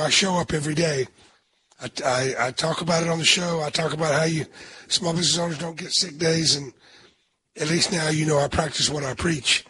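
A hoarse older man hosts a radio talk show. He talks in a chatty, rambling way and often restarts his sentences, and his voice sits a little high for a man. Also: bright, forceful tone, low-quality recording.

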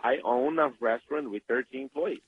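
A man from Brazil with a Brazilian Portuguese accent, a guest in an interview, talking eagerly with many halting restarts. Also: medium pitch, a little hiss or hum. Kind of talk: interview over phone. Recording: tinny phone line.

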